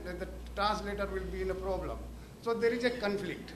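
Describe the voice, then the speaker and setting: A man talks amid noticeable background noise, with an audible echo from the room. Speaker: conference presenter, education researcher. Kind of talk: conference presentation.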